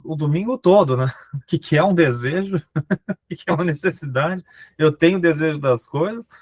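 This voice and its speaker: A Brazilian man takes part in a casual philosophy discussion, his voice a little high and recorded dry and close. He thinks out loud, pausing and circling back, often checking in with his listener. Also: no echo. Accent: Brazilian Portuguese. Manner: hesitant, thinking aloud, frequent "né". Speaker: discussion participant.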